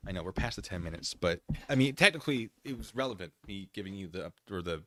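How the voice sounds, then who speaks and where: A man's voice: deep voice, animated, quick pace, bright, forceful tone, dry recording. A man hosting a livestream, giving casual, rambling commentary with playful, self-deprecating asides and chat with his viewers.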